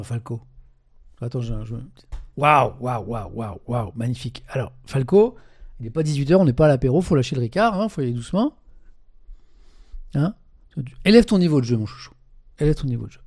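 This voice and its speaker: A man's voice: medium pitch, expressive, normal speed, pauses often, dry recording, studio quality. A man hosting a casual live stream who reads article passages aloud and comments on them, often tagging his sentences with a conversational "hein".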